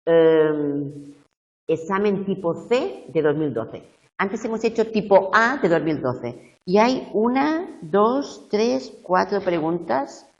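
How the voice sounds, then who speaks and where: A woman university tutor going over exam questions slowly, checking whether her students follow. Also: medium pitch, animated, darkish tone, recorded from a distance, muffled recording.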